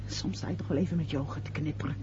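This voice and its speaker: An actress playing a domineering, practical middle-aged show-business mother and hostess in a Dutch radio play, with a brisk, theatrical manner. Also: low-pitched, fairly even intonation, noisy background, lightly acted. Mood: wounded, composed. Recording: dull lo-fi radio play recording.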